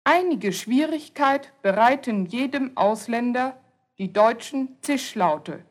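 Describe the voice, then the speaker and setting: A woman teaches a language lesson from a script. She speaks very slowly and sounds out every letter and word with care. Her voice sits a little high. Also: expressive. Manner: careful, deliberate pronunciation.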